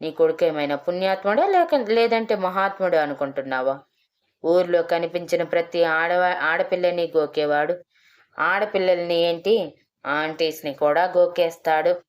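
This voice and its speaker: A woman voicing an angry young man back from America, shouting and scolding in a storybook reading. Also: on the low side, moderate pace, clean tone, close to an everyday voice.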